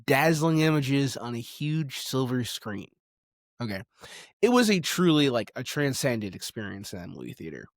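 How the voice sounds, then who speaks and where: A man delivering an opinionated video essay, stressing key words emphatically and pausing for effect. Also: medium pitch, sing-song, no room sound, studio quality.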